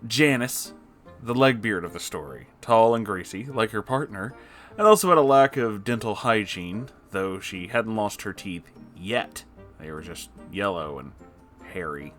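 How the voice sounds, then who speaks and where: A man's voice: lowish voice, expressive, measured pace, fairly bright tone, faint music behind. A man reading an online post aloud, breaking off now and then with disgusted reactions. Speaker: story reader.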